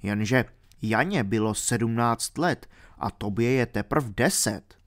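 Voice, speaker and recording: A reader voicing a tiny, furry, male alien archaeologist who speaks softly and carefully, like a dutiful little scholar, in a storybook reading. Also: medium pitch, close to an everyday voice. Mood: hushed earnest. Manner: soft-spoken, measured, prim about discipline.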